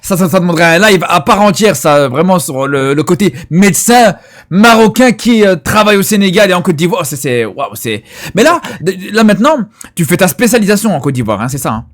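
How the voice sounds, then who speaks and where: A young male streamer with a fairly high voice chats casually with his guest. He passes on viewers' questions and lets the ends of his phrases sink to a soft murmur. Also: big pitch swings, fairly quick. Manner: chatty, reads viewer questions, drops to a quiet murmur at the end of phrases. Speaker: streamer host. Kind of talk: casual live-stream interview.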